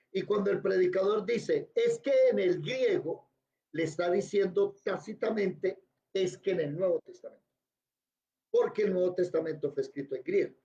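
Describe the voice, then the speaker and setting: Man Bible teacher, high mellow voice, quizzes the class, dull lo-fi sound. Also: creaky, echoey room. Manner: spells out words letter by letter and quizzes students. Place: classroom with students. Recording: dull lo-fi recording.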